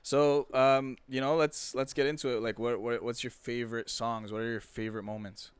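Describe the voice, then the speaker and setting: Young male host, mid-pitched smooth voice, easygoing questions with fillers, dry close sound. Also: level tone, normal speed, no room sound. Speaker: podcast host. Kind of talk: casual interview questions.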